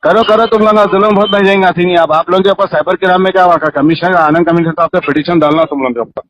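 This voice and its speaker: A man's voice: sits high, steady tone, fast talker, a bit bright. A man with a Hyderabadi accent in a heated phone argument, insistent, pleading and reproachful, talking over the other person on a muffled recorded call. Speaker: social worker.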